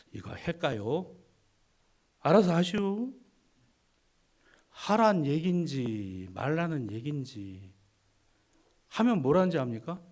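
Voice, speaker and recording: A male pastor preaching a sermon, animated and teasing, with sudden drops to a hush. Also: a little high. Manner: animated preaching, swings from loud to hushed, teasing the congregation.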